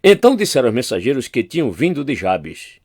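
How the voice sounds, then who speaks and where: A Brazilian pastor reads scripture aloud with a lively, swinging pitch, his voice rising for every quoted line. The sound is dry and close, with no room around it. His pitch sits in the middle range for a man. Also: fairly quick, slightly rough, no echo. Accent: Brazilian Portuguese. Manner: expressive reading, lifts voice for quoted speech. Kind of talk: Bible reading.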